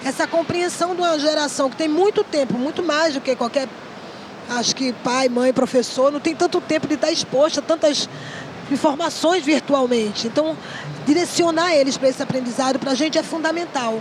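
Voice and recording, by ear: A woman talks at a high pitch with ordinary pitch variation. Noticeable background noise runs underneath. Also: moderate pace.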